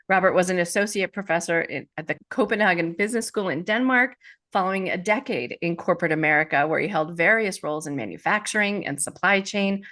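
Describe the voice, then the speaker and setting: A woman's voice: lowish voice, fairly bright tone. A woman hosting an interview podcast, reading a guest's bio and asking questions with enthusiasm. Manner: enthusiastic, upbeat. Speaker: podcast host.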